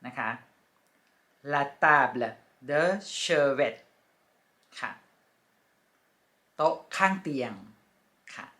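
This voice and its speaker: A woman teaching French vocabulary from picture cards, speaking slowly and politely and repeating each word with care. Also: low-pitched. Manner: polite, ending phrases with soft particles. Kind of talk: casual lesson with picture cards.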